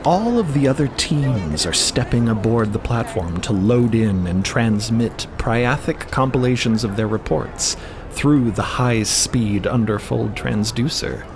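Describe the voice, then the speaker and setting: A man's voice: medium pitch, expressive, unhurried, noisy background. A man delivering scripted dramatic narration as the narrator of an audio story.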